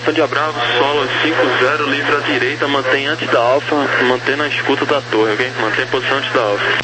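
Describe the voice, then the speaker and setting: A man's voice: medium pitch, fairly even intonation, fairly quick. A man giving clipped aviation instructions like an air traffic controller over a crackly, military-style radio. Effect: radio transmission.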